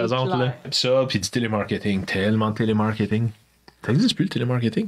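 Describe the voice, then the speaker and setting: The speaker goes at a fairly quick pace with ordinary pitch variation, over noticeable background noise. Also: man, medium pitch for a man. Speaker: radio podcast host. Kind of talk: casual podcast conversation.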